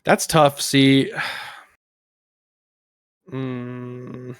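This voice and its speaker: A man's voice: medium pitch, level tone, extremely slow, clear, resonant tone, no echo. A man co-hosting a podcast, chatting casually as he weighs answers in a movie quiz. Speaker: podcast co-host and quiz contestant.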